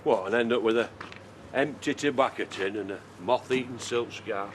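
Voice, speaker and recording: A blunt, gruff father with a Yorkshire accent, as an actor plays him, weary and bitter at the world. His voice sits at an ordinary pitch, and there is a faint hum behind him. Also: moderate pace, lightly acted. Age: older. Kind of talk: TV soap drama acting.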